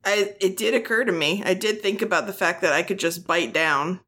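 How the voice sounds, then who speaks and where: A woman's voice: mid-range voice, fairly quick, fairly bright tone. A woman co-hosting a podcast in casual chat, teasing dryly and laughing often. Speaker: podcast co-host.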